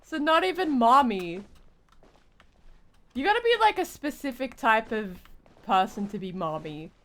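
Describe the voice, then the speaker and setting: A woman's voice: fairly high pitch, very animated, a little slow, a bit bright. A young woman livestreaming a game, chatting casually with viewers in a playful, silly, exaggerated way. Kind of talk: casual chat with stream viewers.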